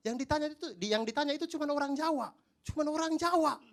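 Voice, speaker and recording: A man's voice: very high-pitched, quick pace. A man from eastern Indonesia with a regional accent, performing a stand-up comedy routine as an escalating, exasperated rant with emphatic repetition. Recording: live show with audience laughter. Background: laughing audience.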